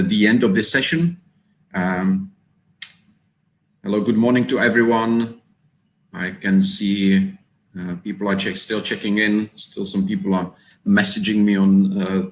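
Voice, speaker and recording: Man, czech accent, webinar host, lowish voice, halting speech full of fillers, roomy echo. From Czech Republic. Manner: hesitant, many fillers and repeated words. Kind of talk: live webinar presentation.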